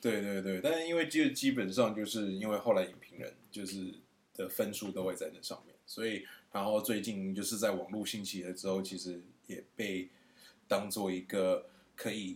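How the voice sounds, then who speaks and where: A man with an unremarkable speaking voice and fairly low pitch talks at a moderate pace with ordinary pitch variation. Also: big swings in loudness. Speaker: podcast guest, friend of host. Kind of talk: casual chat.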